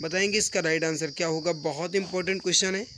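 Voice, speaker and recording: A man teaching an exam-prep mock test online, reading out questions and answers briskly and addressing viewers as friends, often repeating himself. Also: fairly high pitch, steady tone. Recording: rattling wind noise in the background. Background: wind noise from a storm outside.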